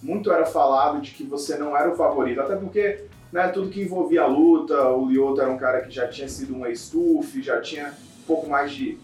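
A man, interviewing a fighter in a relaxed, chatty way. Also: fairly high pitch, distant mic. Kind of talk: casual interview. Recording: roomy, off-mic with music behind.

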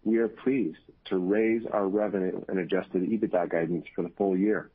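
A man in the role of company executive reads scripted earnings call remarks in a measured, formal way. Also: sits low, steady tone, slightly rough. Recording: tinny, muffled phone conference line.

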